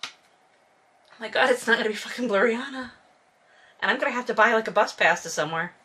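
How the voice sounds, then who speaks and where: Woman, high bright voice, casual comic book critique, exasperated, sarcastic, hyperbolic. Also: a little fast. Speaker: host reading and critiquing a novel. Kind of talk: casual comedic book commentary.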